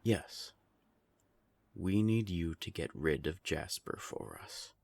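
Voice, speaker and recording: Sardonic vampire envoy played by a man for audio drama: very low, creaky, condescending, formally spoken. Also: animated, slow pace, darkish tone, dry recording, heavily acted. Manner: sardonic, taunting, formal phrasing. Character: sardonic non-binary vampire council envoy, smug and taunting. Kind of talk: scripted audio drama acting.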